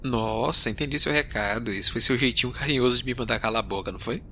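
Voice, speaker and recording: A man's voice: mid-range voice, fast talker, creaky, sharp tone, a little hiss or hum. A man voicing a weary male space explorer captain in an audio drama, sarcastic and easily exasperated. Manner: grumbling, sarcastic, sighing.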